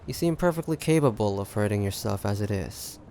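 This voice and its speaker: A man playing an ambitious, shrewd pirate captain in an audio roleplay, taunting the listener in a deliberate, conspiratorial way. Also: on the low side, expressive, mellow, slight background noise. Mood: amused, sizing up. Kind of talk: roleplay audio drama monologue addressed to listener.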